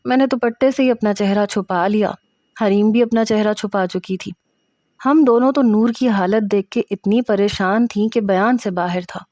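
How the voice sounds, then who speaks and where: A young woman reading a first-person romantic story aloud in a steady, plain voice. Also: medium pitch, dry recording, studio quality.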